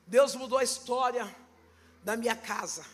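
A Brazilian woman pastor giving a testimony sermon at a church service, impassioned and rising to shouted preaching. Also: on the high side, normal speed, husky. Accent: Brazilian Portuguese.

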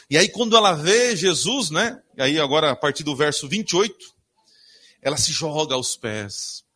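A man's voice: fairly high pitch, sharp tone. A man preaching a sermon, reading Bible verses aloud and questioning his congregation in a church. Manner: asks the congregation questions and answers them himself.

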